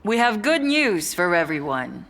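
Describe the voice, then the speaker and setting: An actress playing a brisk, cheery woman arriving with good news, in dubbed film dialogue. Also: lowish voice, big pitch swings, a bit bright, in a large hall, heavily acted.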